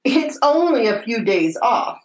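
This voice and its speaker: In a very roomy sound, a practical radio-sitcom wife and mother played by an actress speaks in a fairly high, animated voice. She is exasperated, dryly scolding. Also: a little slow. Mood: worried. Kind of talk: old-time radio sitcom acting.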